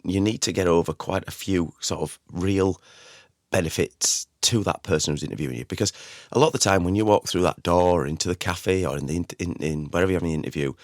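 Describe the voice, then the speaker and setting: A middle-aged man with a slightly croaky voice, hosting a podcast in an informal, rambling, conversational way and often repeating phrases. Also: low-pitched, no echo, studio quality. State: recovering from a croaky voice. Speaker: podcast host. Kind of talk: informal solo podcast talk.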